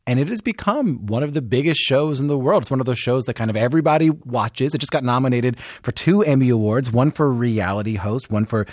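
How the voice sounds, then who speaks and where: Male radio host, chatty, lively intonation, dry studio sound. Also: medium pitch, dry recording. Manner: lively, chatty, quick to laugh. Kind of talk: radio interview. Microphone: studio microphone, dry sound.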